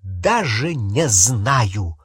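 A man's voice: high voice, sing-song, a little slow, a bit bright, breathy edge, no room sound, studio quality, pitched above the performer's own voice, exaggerated voice. A man reading an audiobook, voicing a furious teenage girl witch who screams and mocks sarcastically. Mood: bitter sarcastic.

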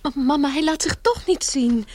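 An actress in a radio drama playing a dutiful young daughter, earnest and protective, with a nervous, stammering manner. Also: female voice, sits high, normal speed, a little mellow, natural voice. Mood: cautious, coaxing. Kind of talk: Dutch radio drama acting.

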